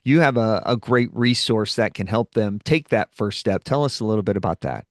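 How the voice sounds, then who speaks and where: A man hosting a podcast interview who talks in a relaxed way, with frequent ums and uhs. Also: lowish voice, fairly quick, no echo, clean studio sound. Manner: relaxed, hesitant with many fillers. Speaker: podcast host.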